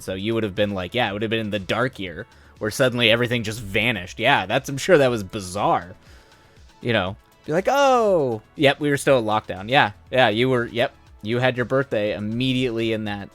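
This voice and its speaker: A man's voice: medium pitch, fairly bright tone. A man in his thirties hosting a livestream, chatting casually with viewers, rambling with frequent restarts and chuckles. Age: 30s. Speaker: livestream host. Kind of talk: casual chat answering viewers.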